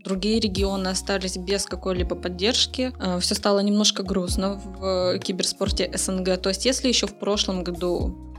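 A woman's voice: medium pitch, flat delivery, moderate pace. A woman answering interview questions as a guest, an esports community manager. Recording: music under the talk. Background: music.

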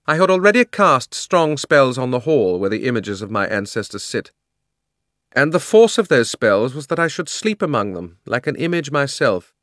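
A man's voice: mid-range voice, a bit bright, no echo, studio quality, pitched above the performer's own voice, close to an everyday voice. A man voicing a proud, cruel and haughty queen of enormous height, speaking in an imperious, declamatory way.

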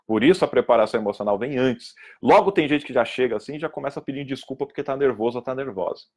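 A man teaching public speaking in an informal video lesson, emphatic and lively, sometimes scolding. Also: mid-range voice, fast talker, husky. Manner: emphatic, lively, scolding tone, acts out quoted students.

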